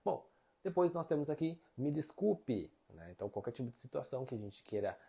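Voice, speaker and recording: A man's voice: mid-range voice, sing-song, vocal fry, warm tone, husky. A man with a Brazilian Portuguese accent teaching basic Mandarin in a casual online lesson, explaining patiently and ending his points with little check-in questions. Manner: explanatory, many tag questions, slow demonstrations of phrases.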